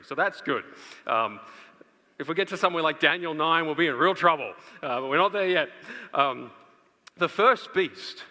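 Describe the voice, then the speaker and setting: Male conference preacher, thirties, slightly high forceful voice, emphatic Bible teaching delivered from an auditorium stage. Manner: emphatic, explanatory, with rhetorical questions. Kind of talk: expository Bible lecture to a live audience. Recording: reverberant large hall.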